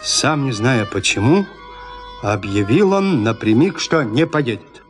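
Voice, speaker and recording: A man narrating a classic story in a radio play, reading in a measured, expressive literary way. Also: medium pitch, soft background music.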